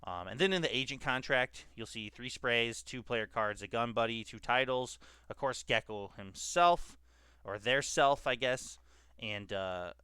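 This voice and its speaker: Stuffy-nosed young man, bright and crisp. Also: mid-range voice, a little slow, dry recording, clean studio sound. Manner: chatty, filler-heavy, reads ability text aloud. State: stuffed up from a cold. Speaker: gaming YouTuber and esports journalist. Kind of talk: casual gaming commentary to camera.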